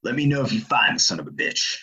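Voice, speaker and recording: A man playing a gruff, menacing frontier colonel in an audio play, rough, blunt and folksy, on a dull lo-fi microphone. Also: mid-range voice, expressive, quick pace, pushed and bright. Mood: gruff, threatening. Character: gruff, menacing Old West colonel, tobacco-chewing gunman.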